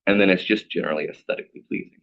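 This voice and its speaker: Man, very low raspy voice, formal presenter, program manager, dull meeting recording. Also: very fast. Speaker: city stormwater program manager. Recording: dull, band-limited meeting audio.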